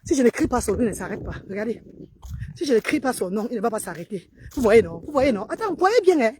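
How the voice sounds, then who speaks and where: A woman's voice: medium pitch, lively intonation, quick pace, darkish tone, slight background noise. A mother of an autistic child filming herself outdoors in a park, speaking earnestly and urging other mothers on a casual livestream.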